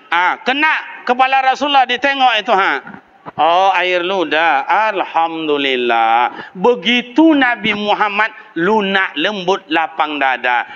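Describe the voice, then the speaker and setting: In a village mosque, a man with a high voice preaches a lively, funny sermon, telling animated stories in which he acts out the characters' voices and quizzing the congregation. The sermon is captured in a dull, lo-fi recording with faint ambience.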